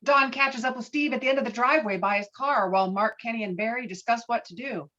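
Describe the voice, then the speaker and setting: A woman's voice: on the high side, fast, pushed and bright. A woman narrating the stage directions of a script. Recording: dull lo-fi call audio.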